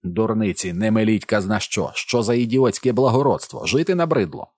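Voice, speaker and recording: A frantic, hoarse-throated civilian in a long coat, yelling at the top of his lungs to be heard over a battlefield, as a man puts him on. The audiobook voice stays deep underneath and sounds close and dry. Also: fairly quick, dry recording. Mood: frantic shouting. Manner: shouting over noise, insistent.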